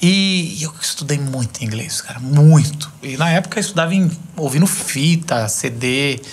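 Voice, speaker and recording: Husky Brazilian podcast host, animated. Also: male voice, on the high side, moderate pace. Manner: animated, gesturing storyteller. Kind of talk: casual podcast chat. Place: small podcast studio. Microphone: boom mic on desk arm.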